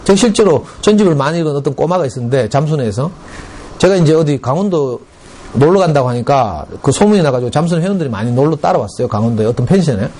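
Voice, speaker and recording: A middle-aged man with a Gyeongsang Korean accent giving a parent education lecture in a school room, telling stories with lively, dialect-colored asides. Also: on the high side, fast talker, slight background noise. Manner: lively storytelling with dialect and acted quotes.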